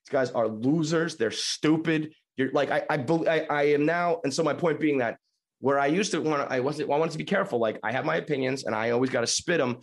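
Profane, heated young man ranting. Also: mid-range voice. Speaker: podcast host. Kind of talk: casual ranting monologue.

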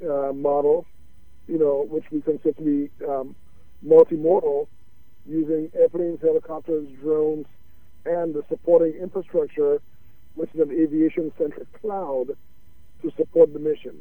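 Male guest over a tinny phone line, dry sound, halting with constant fillers. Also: a little high, vocal fry, dry recording. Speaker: guest, drone company founder.

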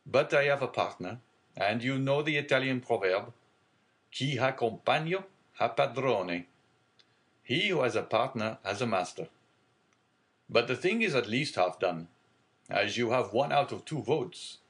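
A man reading aloud and voicing a genial, fatherly older shipowner in a hearty, booming manner. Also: lively intonation, a little slow, fairly bright tone. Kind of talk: audiobook character reading.

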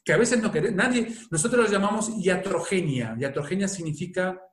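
A man's voice: high-pitched, brisk, reverberant. A man in his forties with an Argentine accent, a psychologist talking about parenting in a reflective, explanatory way, often asking rhetorical questions. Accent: Argentine Spanish. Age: 40s. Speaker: psychologist guest. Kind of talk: conversational talk on parenting.

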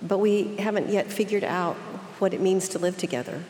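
A woman from Oklahoma with an Okie accent, speaking earnestly and deliberately as a guest in a reflective interview. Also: mid-range voice, darkish tone. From Oklahoma, United States. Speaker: interview guest, seminary leader. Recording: echoey hall, clear background noise.

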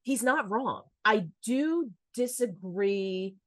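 A talkative American woman co-hosting a podcast, discussing films in a casual, animated way and acting out quotes. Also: medium pitch, takes it slowly, no echo. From United States. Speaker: podcast co-host.

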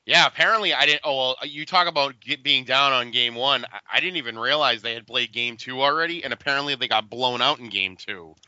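A man's voice: medium pitch, a little fast, few pauses, bright, forceful tone, dry recording, muffled recording. A man co-hosting a podcast in casual, joking banter, often breaking into his own sentences. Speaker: podcast co-host.

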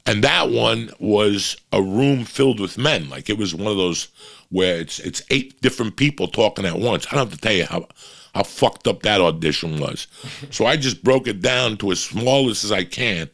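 Male podcast host, New Jersey accent, low and gravelly, profane storyteller. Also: animated, normal speed, fairly bright tone. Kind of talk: casual chat.

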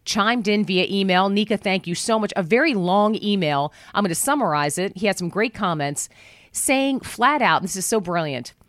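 A woman hosting a talk radio show from a studio, chatting in a folksy, upbeat way, her voice worn low after travel. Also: lively intonation, moderate pace, dry recording. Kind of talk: talk radio monologue with live ad reads. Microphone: studio microphone.

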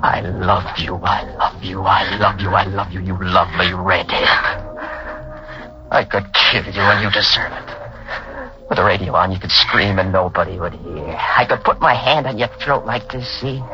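An actor playing a hard-drinking, mocking private detective in a 1940s radio drama, recorded on a dull old broadcast. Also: male voice, on the low side, moderate pace, music in the background, natural voice. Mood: menacing. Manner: mocking, swings from drawling to tense. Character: hard-drinking sardonic male snoop, menacing.

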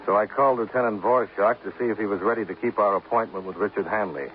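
An actor playing a laconic insurance investigator who narrates and talks terse and matter-of-fact in a 1950s radio drama. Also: male voice, fairly low pitch, steady tone, fast, natural voice. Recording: tinny, lightly hissy old radio broadcast.

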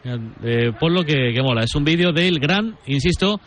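A high-voiced man anchors live sports radio. He is brisk and informal, cutting in to pass between match commentators. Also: animated, a bit bright. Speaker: radio sports show host. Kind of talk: live multi-match studio hosting.

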